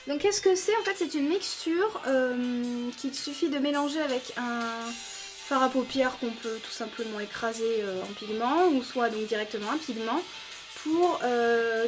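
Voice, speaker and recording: A high, bright-sounding woman with a French accent talks in an eager, chatty way, often pausing on fillers. She reviews beauty products for her viewers. Music plays clearly behind her voice. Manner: enthusiastic, chatty, many fillers. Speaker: beauty vlogger.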